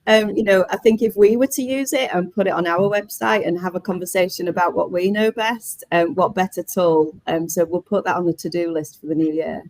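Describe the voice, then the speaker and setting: A woman with a slightly low voice talks casually on a business panel. She is plain-spoken and conversational, with a dry, echo-free sound. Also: fairly even intonation, a little fast, few pauses, a little mellow. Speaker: webinar panellist, workspace operator. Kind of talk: casual professional panel discussion.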